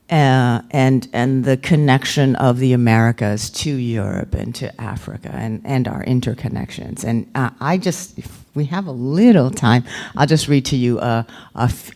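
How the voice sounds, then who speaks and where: A woman editor giving a literary talk and reading, speaking in a halting, thoughtful way with many pauses and fillers. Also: very deep voice, vocal fry, warm tone. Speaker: poetry book editor.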